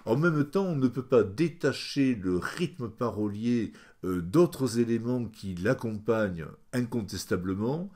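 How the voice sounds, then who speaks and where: An older man giving a measured, explanatory recorded lecture over slides, with occasional hesitations. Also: medium pitch, lively intonation, a little mellow. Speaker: phonetics lecturer.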